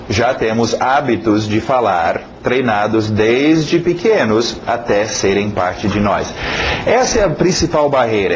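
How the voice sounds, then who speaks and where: A male English teacher, a native English speaker, introducing his course in casual, chatty Portuguese, often checking in with "ok?" and pausing on fillers. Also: medium pitch, slight background noise, rough recording.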